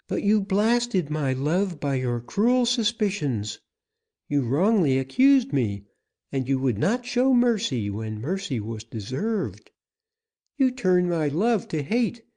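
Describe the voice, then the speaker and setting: A man's voice: on the high side, warm tone, pitched above the performer's own voice, heavily acted. A man voicing a firm, bitter young woman confronting an outlaw, speaking reproachfully.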